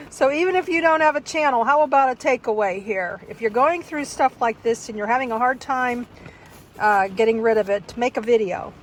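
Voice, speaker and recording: A woman's voice: fairly high pitch, slight background noise. An older woman in a casual vlog, reminiscing and reading aloud in a wistful, rambling, reflective way. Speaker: vlogger. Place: inside a parked car.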